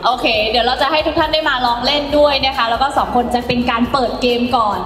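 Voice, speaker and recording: Bubbly high-voiced woman emcee. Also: quick pace, a bit bright, far from the mic, a little hiss or hum. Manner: bubbly, upbeat, sing-song cheering. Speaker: event emcee. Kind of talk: lively event hosting. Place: shopping mall gaming event stage. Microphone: handheld mic over PA. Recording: echoey mall hall, heard from afar. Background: music and cheering crowd.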